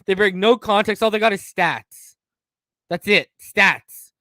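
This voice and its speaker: Male sports-stream host, high voice, close dry mic, heated and mocking. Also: unhurried, dry recording. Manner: heated, mocking, swings from mumbling to loud. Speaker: podcast host. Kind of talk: casual live-stream rant.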